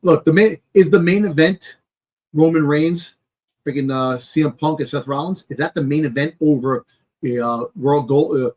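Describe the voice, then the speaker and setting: A man co-hosting a casual sports discussion, speaking haltingly as he gropes for words. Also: a little high, darkish tone. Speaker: wrestling podcast co-host.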